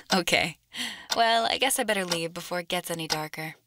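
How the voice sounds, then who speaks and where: A woman's voice: lowish voice, normal speed, noisy background, close to an everyday voice. A young woman playing a tired, reserved student who works late, speaking in a subdued, polite, hesitant way in an audio drama. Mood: tired, casual. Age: young adult.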